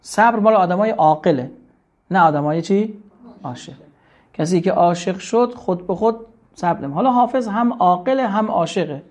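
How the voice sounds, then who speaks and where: Male poetry lecturer, higher voice, slow verse recitation, chatty explanations. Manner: recites verses slowly, then asks and answers his own questions; colloquial, explanatory teaching tone.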